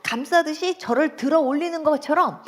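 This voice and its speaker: A woman's voice: high voice, a little fast. A middle-aged woman pastor giving an emotional testimony sermon, acting out quoted dialogue and pleading cries, tearful at times.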